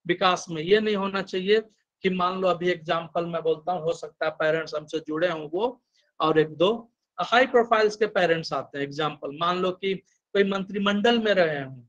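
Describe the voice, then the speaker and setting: A man's voice: high voice, moderate pace, a bit bright, dull audio. A man giving a lecture, mixing Hindi and English and explaining through many examples.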